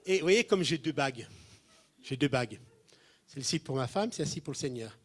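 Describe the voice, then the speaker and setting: A man's voice: on the high side, brisk. A man, preaching to a congregation and telling funny stories, acting out the voices of people he quotes. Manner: animated, acts out quoted voices, jumps in loudness. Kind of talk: humorous sermon storytelling.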